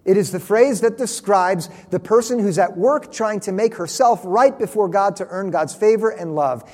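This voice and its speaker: A man preaching a sermon, earnest and emphatic, slowing down to stress key phrases. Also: sits high, darkish tone. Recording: long reverb of a large hall.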